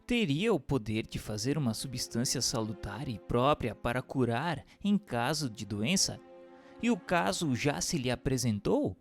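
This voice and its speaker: Man reading formally, with lively intonation. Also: mid-range voice, measured pace, faint music behind. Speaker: narrator. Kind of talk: scripted dramatized reading of a spiritist book.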